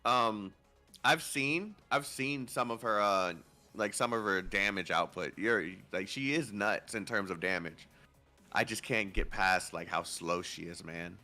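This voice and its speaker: A man hosting a casual gaming livestream, animated and swearing casually, just woken up. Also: fairly low pitch, a little slow, faint music behind. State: just woke up. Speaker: livestream host.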